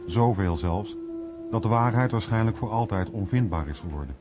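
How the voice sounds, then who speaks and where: A man narrates a radio documentary from a script, solemn and measured. His voice sits low over clear music, on a slightly dull recording. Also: animated.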